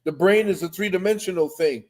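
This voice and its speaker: A man's voice: high voice, fairly quick, a little mellow. Older man who grew up in Trinidad, emphatic. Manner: emphatic storyteller, lectures with conviction. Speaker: co-host. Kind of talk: casual video call chat. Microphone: webcam on video call.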